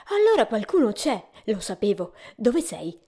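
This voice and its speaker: A woman's voice: mid-range voice, very animated, normal speed, mellow, slightly rough. A woman reading a storybook aloud and voicing a lost, cold male traveler who pleads and calls out eagerly. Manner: pleading, eager, slightly raised voice.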